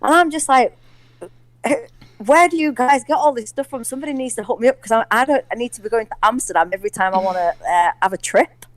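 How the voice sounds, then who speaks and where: A woman in her forties from Hull, England, calling in to a live show. She talks in a chatty, excitable way and laughs easily. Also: a little high, fast, no room sound. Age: 40s. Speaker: caller. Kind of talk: casual call-in chat.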